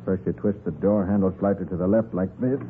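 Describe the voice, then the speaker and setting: Actor as a cool detective on thin old radio. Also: male voice, deep voice, fairly even intonation, a little fast, narrow, tinny audio, close to an everyday voice. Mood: wry, stalling. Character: cool, confident male private detective. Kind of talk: 1940s radio crime drama acting. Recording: band-limited, noisy 1940s radio recording.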